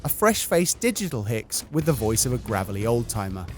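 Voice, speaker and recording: Casting: male video narrator, medium pitch, sarcastic, bouncy intonation for scripted comedy. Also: sing-song, brisk. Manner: wry, sarcastic. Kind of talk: comic scripted commentary. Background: light music.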